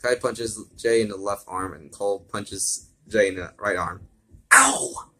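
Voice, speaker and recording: Man, low voice, amateur story reader, casual asides, stumbles and repeats phrases. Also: steady tone, normal speed. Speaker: fan fiction reader.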